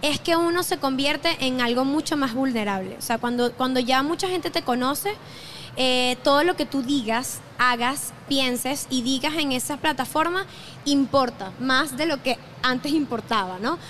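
A woman's voice: sits high, moderate pace, a bit bright, slight background noise. A young woman with a Venezuelan accent, a podcast guest talking casually and often restarting her sentences. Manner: chatty, self-correcting, laughs easily. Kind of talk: casual interview chat.

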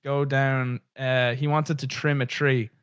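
A young man with a Dublin Irish accent talks in a relaxed, casual podcast chat. His voice is clear and smooth, sitting at an ordinary pitch. It is recorded close and dry, with no room sound around it. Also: measured pace, no echo. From Ireland. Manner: easygoing, swears freely, trails off into quiet asides. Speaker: podcast co-host.

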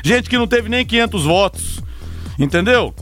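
Brazilian man, animated radio presenter, strikingly high register, rhetorical and emphatic, light music behind. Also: moderate pace. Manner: emphatic, rhetorical, repeats phrases for effect. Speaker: sports radio host.

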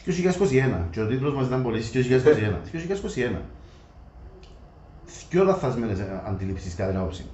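Speaking with a Greek Cypriot accent, a man lays out his views in a casual, colloquial discussion, acting out imagined conversations with customers. His mid-range voice is very animated and a little mellow. The room echoes, and the sound is muffled with faint noise.

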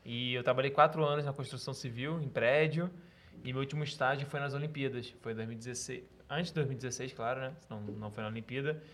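A man chatting casually as a podcast guest, telling stories in an animated, joking way. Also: medium pitch. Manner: fast, animated storytelling with laughs.

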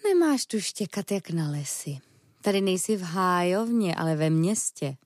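A woman's voice: on the low side, very animated, darkish tone, no room sound, clean studio sound. A woman doing a prim, haughty storybook cat. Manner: haughty, disdainful. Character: prim fussy female cat. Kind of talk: storybook reading.

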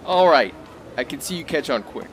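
A man's voice: fairly high pitch, animated, moderate pace, fairly bright tone, a little hiss or hum, poor audio. An actor playing a tense, brawny man in a military jacket offering a shady job in an audio drama, talking easy over his nerves. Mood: discreet, persuasive. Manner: easy talk over nervous tension.

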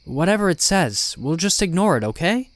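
An anxious teenage son voiced by a male narrator, urgent and pleading, with the pitch pushed up. It sounds like a dramatic horror audiobook, recorded very dry. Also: very animated, moderate pace, no room sound. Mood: anxious reassurance. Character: anxious seventeen-year-old son pleading with his father.

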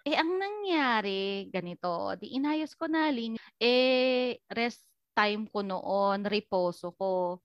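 A woman telling a personal story as a podcast guest, animated and acting out the lines she quotes. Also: medium pitch, slow pace, clean tone, no echo, lo-fi sound. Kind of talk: casual storytelling interview.

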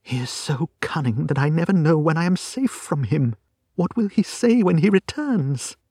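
Male reader as anxious young lady, lifted pitch, earnest, eager, urgent, classic storybook mystery. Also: animated, normal speed, warm tone, husky, dry recording, clean studio sound. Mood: alarmed, fearful.

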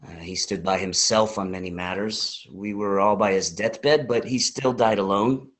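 A man's voice: on the low side, fairly even intonation, normal speed, a bit bright, lightly acted. An actor playing a charming, playful man in his forties who answers with dry, teasing jokes. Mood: wry. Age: 40s. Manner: wry, teasing, lightly joking. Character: charming playful 40-year-old man, hotel owner. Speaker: interviewee.

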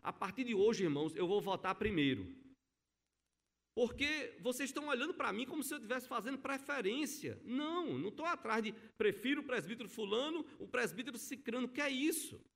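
A man's voice: extremely high pitch, animated, a little fast, fairly bright tone. A middle-aged male pastor, preaching a sermon in a church and telling stories with emphatic, acted-out quotes. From Brazil. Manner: storytelling, acting out quoted voices, emphatic. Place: church sanctuary.

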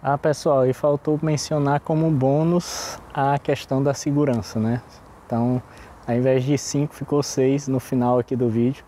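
A man's voice: medium pitch, level tone, moderate pace, warm tone. A man with a Cearense Brazilian accent talking casually and hesitantly, with many fillers and restarts, recorded outdoors on a street. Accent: Cearense Brazilian Portuguese. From Ceará, Brazil. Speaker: podcast contributor. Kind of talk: casual spoken monologue. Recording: outdoor street noise behind.

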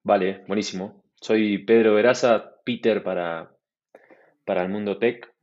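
This man speaks in a lowish, unhurried voice, captured with lo-fi sound. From Argentina and carrying an Argentine Spanish accent, he's a startup manager appearing as an interview guest, talking in a relaxed, fluent, conversational way with plenty of fillers and restarts.

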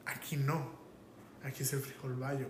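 A man's voice: mid-range voice, unhurried, roomy sound, slight background noise. A man from Mexico with a Mexican Spanish accent, telling anecdotes animatedly in casual podcast chat. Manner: animated storyteller.

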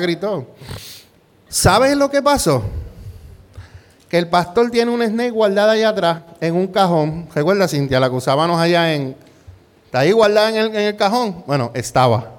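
A middle-aged pastor with a high voice delivers a conversational sermon centered on a personal story. He asks rhetorical questions constantly, ends points with "¿verdad?", and mixes English words into his Spanish.

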